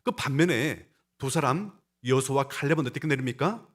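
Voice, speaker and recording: A man's voice: mid-range voice, animated, a little fast, a bit bright. Emphatic male pastor preaching. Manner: emphatic, rising and falling delivery; talks to the congregation directly. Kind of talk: sermon.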